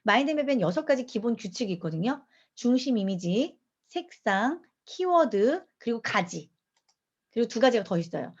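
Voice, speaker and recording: A woman's voice: on the high side, moderate pace, slightly rough. A woman teaching mind mapping in an online lecture, asking her audience questions as she goes. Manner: lively, asks the audience questions. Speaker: mind map instructor. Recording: dull lo-fi online class audio.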